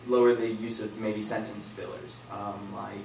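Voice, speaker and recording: A man's voice: lowish voice, level tone, normal speed, creaky, a little mellow, slight background noise. A young man, a student, giving upbeat, hesitant feedback on a classmate's speech. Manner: hesitant, upbeat, lots of ums. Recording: echoey room from a distance.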